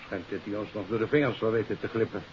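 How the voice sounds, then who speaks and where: An actor playing a genial, authoritative police chief, measured and genteel in 1950s radio drama style. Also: male voice, on the low side, close to an everyday voice. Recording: dull, hissy 1950s radio recording.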